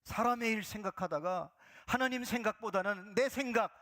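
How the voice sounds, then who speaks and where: A male pastor delivering a Sunday sermon with emphatic preaching, dropping to soft whispers when quoting. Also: high-pitched, normal speed. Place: church sanctuary.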